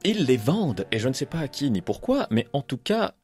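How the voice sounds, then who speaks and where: A man's voice: medium pitch, big pitch swings, brisk, a little mellow, slightly rough, soft background music, pitched above the performer's own voice. A man voicing a pompous, earnest cemetery guard and amateur poet in a hammy, theatrical stage-actor manner, improvised in a role-playing game. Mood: indignant.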